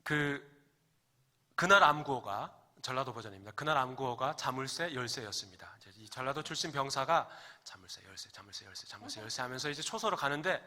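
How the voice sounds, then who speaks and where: A male pastor delivers a Sunday sermon in a church sanctuary with a bright, forceful tone. He talks in a loose, conversational way, tossing questions to the congregation and slipping in jokes. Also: medium pitch, lively intonation, brisk.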